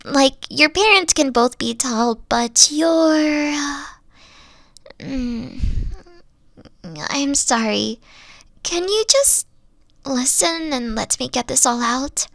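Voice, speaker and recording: Woman voicing a soft-spoken kitsune girlfriend. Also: high voice, takes it slowly, gravelly, pauses often, no room sound, exaggerated voice. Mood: hesitant, tender. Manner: soft-spoken, hesitant, explains carefully. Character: gentle three-tailed fox-girl girlfriend, thoughtful. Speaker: voice actor. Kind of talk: ASMR audio roleplay.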